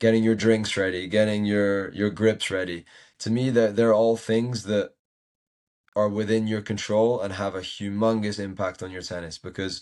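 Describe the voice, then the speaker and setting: The background is quiet as a man talks at a moderate pace. His voice is fairly low, with monotone, flat intonation. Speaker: professional tennis player. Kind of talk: podcast interview. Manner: halting, repeats words.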